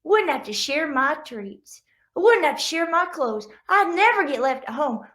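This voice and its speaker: A put-upon middle-brother dog from a storybook, played by a woman reading aloud, complains jealously in a folksy way. The voice is bright and fairly high. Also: big pitch swings, normal speed. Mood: longing. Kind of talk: children's storybook read-aloud.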